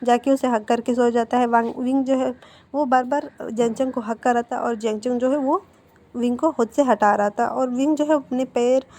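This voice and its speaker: A woman retells a story casually and chattily, pausing often on fillers. Her voice sits fairly high but sounds warm and mellow. The delivery is relaxed, like talking to regular viewers.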